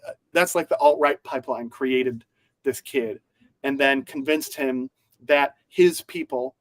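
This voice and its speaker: A man's voice: mid-range voice, unhurried, dry recording, low-quality recording. A man co-hosting a podcast, talking through news in a rambling casual way with many fillers and restarts. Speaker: podcast co-host.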